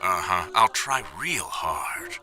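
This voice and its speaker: A man voicing a gruff, sardonic spider hitman in a comic dub, with a clipped, deadpan delivery. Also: deep voice, slow. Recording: music behind the voice.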